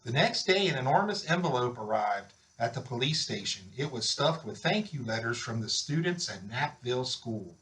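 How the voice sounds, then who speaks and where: A man's voice: mid-range voice, sing-song, moderate pace, hardly any pauses, a bit bright, rough recording. Man reading a children's picture book aloud. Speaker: volunteer story reader.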